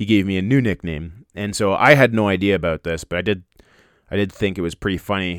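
A man's fairly low-pitched voice at a very fast pace, with a Canadian accent, ordinary pitch variation and a dry, close sound with no echo. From Ontario, Canada. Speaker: podcast host, boxing coach and former MMA fighter. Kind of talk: casual solo monologue. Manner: rambling with many fillers.

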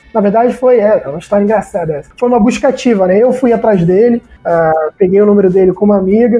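Over music in the background, a man speaks at a very fast pace with hardly any pauses. His pitch is high, with ordinary pitch variation. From Rio de Janeiro, Cidade de Deus (West Zone). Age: 20s. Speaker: municipal youth secretary. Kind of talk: interview.

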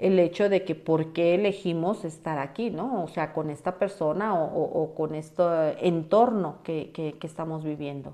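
A woman speaks in a dark, mellow tone with ordinary pitch variation. She keeps a fairly slow pace. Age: 50s. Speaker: spiritual podcast host. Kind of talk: spiritual monologue. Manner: animated.

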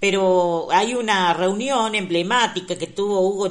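In a room with audible echo, a woman speaks very slowly at a medium pitch with ordinary pitch variation. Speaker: radio host. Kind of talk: casual chat.

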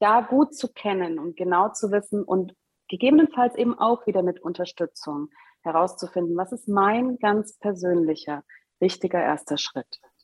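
In an ordinary speaking voice of medium pitch, a woman speaks at a moderate pace with lively intonation and big swings in loudness. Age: 40s. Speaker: life coach. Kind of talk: interview.

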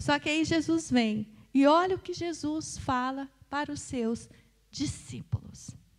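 With a high pitch and ordinary pitch variation, a woman speaks at a very slow pace. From Goiás, Brazil. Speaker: preacher. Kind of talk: sermon. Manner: animated.

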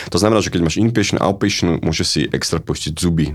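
The delivery moves at a very fast pace. Its intonation is lively. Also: man. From Slovakia. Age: 40s. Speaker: ethical hacker and crypto-anarchist. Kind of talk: interview. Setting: studio.

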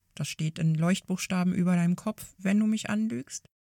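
This woman's voice sits at a medium pitch, with a dark, mellow tone. It is somewhat breathy, and the recording is very clean, with a silent background. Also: dry, close sound with no echo. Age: 50s. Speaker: podcast host. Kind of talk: personal monologue. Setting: alone at home mic. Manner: unscripted, with fillers.

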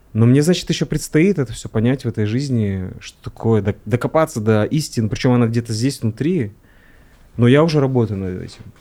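A man talks at a fairly quick pace in a dark, mellow tone at medium pitch, with ordinary pitch variation and big swings in loudness. The recording is very clean with a silent background. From Kazakhstan, Karaganda. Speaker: actor and filmmaker. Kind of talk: casual chat.

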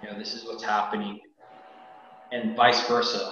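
A man with a medium pitch speaks at a moderate pace and with fairly even intonation. Noticeable background noise and audible room echo fill the recording. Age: 40s. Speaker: power lineman and fathers' ministry leader. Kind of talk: casual interview. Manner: repetitive, halting.

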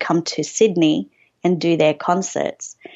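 A woman with an Australian accent speaks at a moderate pace with a fairly low pitch. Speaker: singer and singing teacher. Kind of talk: casual interview. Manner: hesitant, frequent fillers and laughter.

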